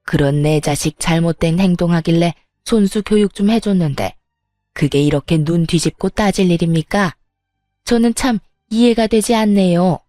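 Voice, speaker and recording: A woman's voice: on the low side, normal speed, warm tone, dry recording, clean studio sound, soft background music, close to an everyday voice. A woman voicing a furious, spiteful older mother-in-law who berates and sneers, in a dramatized story reading. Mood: sarcastic.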